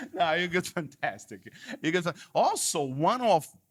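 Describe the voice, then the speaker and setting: A man with vocal fry at a fairly slow pace, in a very clean recording with a silent background. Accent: non-native. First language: Portuguese. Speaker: podcast host. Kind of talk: interview. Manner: halting.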